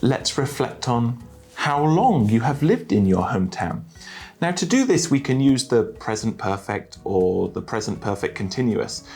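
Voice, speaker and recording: A male English teacher talks with a lively, swinging pitch and keeps heaping praise on each phrase he teaches. He speaks clearly and deliberately, like a tutor guiding learners. Soft music plays faintly underneath. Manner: enthusiastic, heaps praise on phrases. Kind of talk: spoken English lesson.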